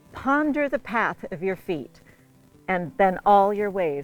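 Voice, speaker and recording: A woman's medium-pitched voice with very wide pitch swings, a very slow pace, and music in the background. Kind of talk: scripture reading.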